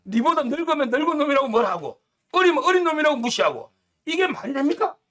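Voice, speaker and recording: A man's voice: very high voice, sing-song, fast talker, pushed and bright. A man commenting on politics in a talk show, blunt and scornful, using coarse insults.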